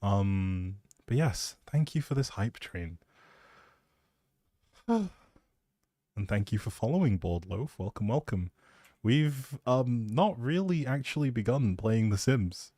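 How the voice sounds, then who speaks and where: A man's voice: mid-range voice, expressive, slow pace, long pauses, dark tone, dry recording, clean studio sound. A man hosting a gaming livestream, rambling casually in a giggly, flustered, scattered way.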